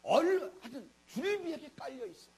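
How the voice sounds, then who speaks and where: A man's voice: extremely high pitch, very animated, normal speed, darkish tone. A middle-aged male pastor giving a Sunday sermon in a colloquial, emphatic way, full of rhetorical questions. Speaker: senior pastor. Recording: mains hum.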